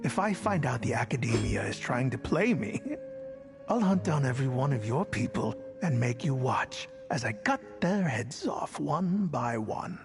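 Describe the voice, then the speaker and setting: An actor playing a brutal, greedy, gullible tribal chief in a video game, with a blustering, theatrical manner. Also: male voice, medium pitch, big pitch swings, normal speed, gravelly. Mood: menacing. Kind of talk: dramatic video game voice acting. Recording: music under the voice. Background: game music.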